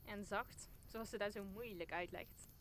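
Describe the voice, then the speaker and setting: A woman's voice: medium pitch, unhurried, a bit bright, a little hiss or hum, natural voice. A woman playing a sardonic, cynical courtier who quips in an audio drama. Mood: mocking. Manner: sardonic, quipping. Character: mocking, cynical, scheming courtier. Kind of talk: Dutch audio drama acting of Shakespeare.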